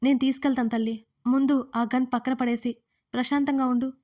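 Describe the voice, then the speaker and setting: A woman's voice: high-pitched, flat delivery, brisk, mellow, dry recording, studio quality, natural voice. A woman voicing a bewildered older father who pleads and coaxes in a dramatic audio story. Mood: pleading. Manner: pleading, coaxing.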